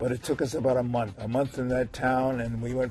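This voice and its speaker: A man with an American accent speaks at a moderate pace and a medium pitch, with music playing in the background. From New London, Connecticut. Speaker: World War II veteran, former rifleman. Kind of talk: interview answer.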